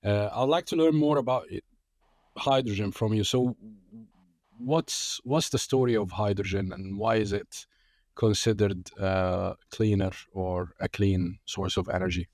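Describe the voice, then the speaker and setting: A man's voice: fairly low pitch, fairly even intonation, a little slow, darkish tone, dry recording, studio quality. A man hosting a podcast interview, curious and encouraging toward his guest. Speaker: podcast host. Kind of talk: conversational interview.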